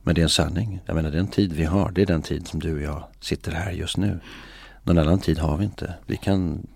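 A middle-aged man in a reflective interview, musing philosophically and often pausing with filler sounds. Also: sits low, steady tone, gravelly, darkish tone, slightly rough. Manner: hesitant, many filler sounds. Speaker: interview guest. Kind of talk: reflective conversation.

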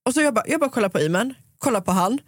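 A woman's voice: on the high side, lively intonation, dry recording, clean studio sound. A young woman chatting casually on a podcast, retelling a story through lots of quoted dialogue and slipping English phrases into her Swedish.

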